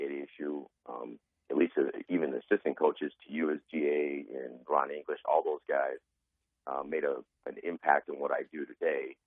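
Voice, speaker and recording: A man in his forties from Arizona, a raspy-voiced guest speaking earnestly with many fillers over a phone line. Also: a bass voice, no room sound. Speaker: guest, athletic director. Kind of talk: phone interview.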